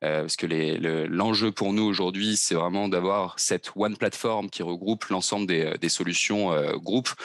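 With a very deep, low pitch and fairly even intonation, a man speaks at a fairly slow pace with hardly any pauses and very even loudness, over noticeable background noise. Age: 20s. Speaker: head of sales. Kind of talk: interview. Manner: halting, many repetitions.

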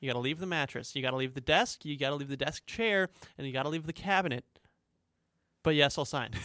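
A man with an American accent, bright, sharp tone and very fast pace, broken by long, frequent pauses. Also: fairly high pitch for a man, ordinary pitch variation, dry, close sound with no echo. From rural Minnesota. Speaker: college podcast co-host. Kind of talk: casual chat.

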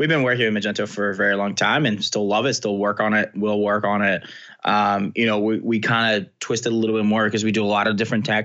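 His voice is fairly low in pitch with a bright, sharp tone, delivered in a flat monotone. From Poland, moved to US at twelve. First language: Polish. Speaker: e-commerce consultancy CEO. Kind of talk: interview. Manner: frequent fillers and hesitations.

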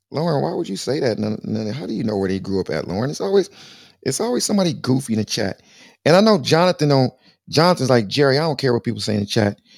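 Vocal fry runs through this animated, very fast delivery in an American accent. The pitch swings very widely. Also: man. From Southern California. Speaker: talk show host. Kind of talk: live audio room debate. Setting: live online audio room.

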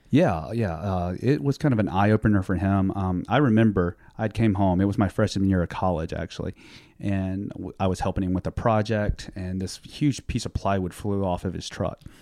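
On a very clean recording with a silent background, a man with an American accent speaks at a moderate pace in a fairly low pitch, with a dark, mellow tone and ordinary pitch variation. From US South, Meridian, Mississippi. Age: 30s. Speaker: podcast guest sharing life story. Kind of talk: personal testimony interview.

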